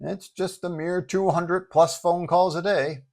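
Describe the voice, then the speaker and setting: A man voicing a calm, dry right-hand man to a hero, deadpan and slyly dismissive. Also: sits high, measured pace, voice pushed up. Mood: matter-of-fact.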